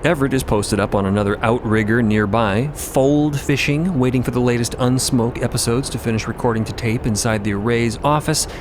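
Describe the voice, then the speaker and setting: Mid-pitched man narrating over ambient noise. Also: steady tone, fairly quick, hardly any pauses. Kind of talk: scripted story narration. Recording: clear ambient noise behind voice.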